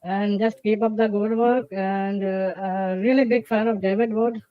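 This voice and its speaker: A man's voice: high-pitched, steady tone, moderate pace, dry recording, phone-quality sound. A man calling in with his voice disguised by a voice changer, hesitant, with lots of uh's and a polite "sir". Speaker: caller. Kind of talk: casual call-in chat.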